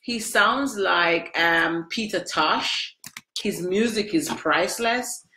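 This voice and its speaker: Talking live on her webcam from a small room at home, a middle-aged woman answers her viewers by name, emotional and sniffly from crying. Her voice is on the low side, slow and sharp in tone, and the close-range webcam catches an echoey room in this casual video chat.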